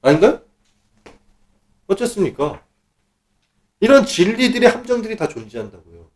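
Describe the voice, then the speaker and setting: A middle-aged man preaching a sermon, animated, acting out mocking quoted voices. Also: a little high.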